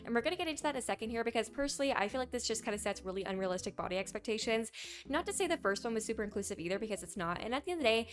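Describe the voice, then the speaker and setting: Raspy-voiced young woman talking fast. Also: on the high side, expressive. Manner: chatty, quick, reads posts aloud and comments. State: hoarse, sore throat. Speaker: gaming news commentator. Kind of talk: casual commentary.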